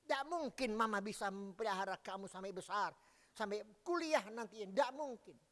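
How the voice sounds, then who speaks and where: A man's voice: sits high, expressive, normal speed, fairly bright tone. A pastor voicing a weary widowed mother who despairs over her child's future, in an echoey church hall. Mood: resigned.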